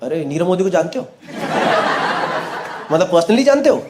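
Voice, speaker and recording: High-voiced man doing stand-up. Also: moderate pace, heavy background noise. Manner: animated, acts out both sides of dialogues. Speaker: stand-up comedian. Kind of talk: stand-up storytelling and crowd work. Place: comedy venue before a live audience. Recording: echoey venue with loud crowd laughter.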